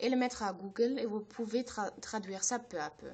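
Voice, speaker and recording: A woman with a German accent at a fairly high pitch and fairly slow pace. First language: German (speaking French). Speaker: language teacher. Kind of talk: channel intro explanation. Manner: halting, many hesitations.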